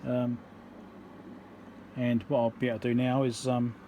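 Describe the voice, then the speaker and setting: A man's voice: mid-range voice, completely flat delivery, moderate pace, warm tone, slight background noise. A man giving a casual technical explanation as a repair video host, rambling and matter-of-fact as he thinks aloud.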